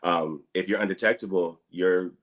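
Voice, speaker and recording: A man in his thirties from the US Midwest, a guest explaining things in a relaxed, unhurried way with many fillers. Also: sits low. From Dayton, Ohio, US Midwest. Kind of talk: casual interview talk.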